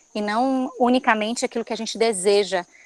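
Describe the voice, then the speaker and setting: Bahian accent at a fairly quick pace, with a dry, close sound and no echo. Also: woman. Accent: Bahian Brazilian Portuguese. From Bahia, Brazil. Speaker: participant in spiritist study group. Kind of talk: group discussion comment.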